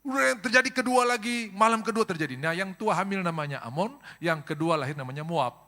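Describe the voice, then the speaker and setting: A man's voice: fast talker, pushed and bright. A middle-aged male pastor preaching a sermon, telling stories with humor and acting out voices, often calling out to the congregation. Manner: humorous storytelling, acts out voices with big pitch jumps; addresses congregation as brothers and sisters.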